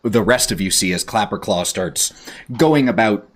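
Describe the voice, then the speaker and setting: A man narrating a tabletop fantasy game as game master, in a measured, descriptive storytelling manner. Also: fairly low pitch, animated. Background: faint music.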